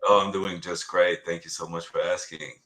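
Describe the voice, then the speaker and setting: A man from Lebanon with a low voice, middle-aged, speaking as a guest in a casual interview. He talks earnestly, stopping and restarting his sentences with plenty of fillers. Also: level tone, normal speed, pushed and bright. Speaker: real estate agent, guest.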